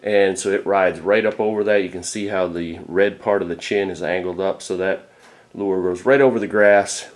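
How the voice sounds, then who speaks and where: Low-voiced man explaining fishing lures. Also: steady tone, normal speed. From Florida. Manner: plain, practical, with frequent uh fillers. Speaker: fishing guide. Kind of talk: casual instructional talk.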